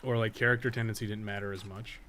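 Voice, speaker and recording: A man's voice: lowish voice, level tone, fast. Man rambling through game commentary over noticeable noise. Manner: sweary, thinking out loud. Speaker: game streamer and guide maker. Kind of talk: casual, rambling live gameplay commentary.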